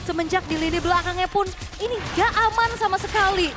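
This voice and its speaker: A woman's voice: very high-pitched, a little fast. A woman with an Indonesian accent giving analytical esports commentary. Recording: loud music behind the voice. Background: loud music.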